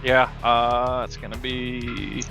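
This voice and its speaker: A man's voice: mid-range voice, completely flat delivery, slow, music in the background. A man playing a tabletop game, casually speaking as his character.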